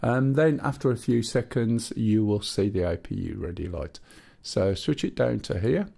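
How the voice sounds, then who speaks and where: A man's voice: fairly low pitch, expressive, normal speed, vocal fry, mellow, husky. A man with a Black Country accent chatting casually while live-streaming a flight game and reading viewer chat aloud.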